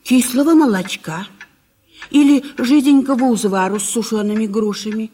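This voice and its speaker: An actress playing a kindly, pious old country housewife in a radio play, fretful and fussing. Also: female voice, on the high side, moderate pace, close to an everyday voice. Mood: solicitous. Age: older. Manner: fussing, gently scolding.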